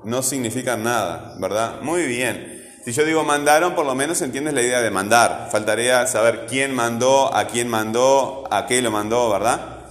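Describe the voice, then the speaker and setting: A man's voice: medium pitch, moderate pace, a bit bright. A man teaching a grammar lesson to a class. He asks patient, coaxing questions and sounds out words syllable by syllable. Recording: echoey classroom, roomy reverb.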